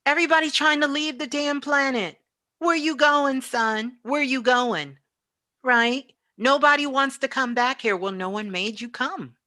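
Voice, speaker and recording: Bright-voiced woman giving an unhurried spiritual talk. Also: sits high, dry recording, clean studio sound. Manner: emphatic, preaching, repeats phrases for effect. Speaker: spiritual teacher and guest speaker.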